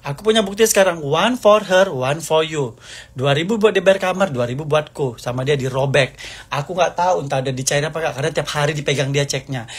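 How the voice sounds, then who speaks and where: A man's voice: a little high, quick pace, slightly rough. A man delivering an angry, accusing rant to the camera, hammering the same points over and over. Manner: heated, accusing, repetitive.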